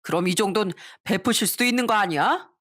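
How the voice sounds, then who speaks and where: An angry young husband, as a woman puts him on, argues in a loud, defensive bluster. He shouts back as if wronged and refuses to back down. This is storybook drama read aloud. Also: mid-range voice, quick pace, no echo, studio quality, natural voice. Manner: shouting, indignant.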